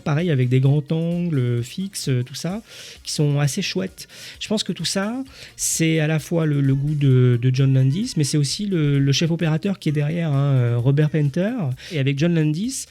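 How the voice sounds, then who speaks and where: A man's voice: a little high, moderate pace, dark tone. A man co-hosting a film podcast, talking through film craft with lots of hesitations. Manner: hesitant, lots of "euh" and "en fait". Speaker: podcast co-host. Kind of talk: film review discussion.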